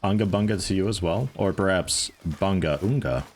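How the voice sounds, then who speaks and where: A man livestreaming a video game, chatting in a mellow, soothing, rambling way. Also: low-pitched, moderate pace, a little hiss or hum. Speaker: gaming livestreamer. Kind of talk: casual livestream commentary.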